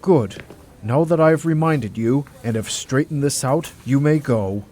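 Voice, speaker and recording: A man acts out a senior male doctor in an audio drama. He is polite, formal and firm at a middling pitch, with faint noise on the recording. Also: unhurried, mellow, lightly acted. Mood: stern. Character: courteous but stern male senior hospital doctor. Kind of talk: amateur audio drama acting.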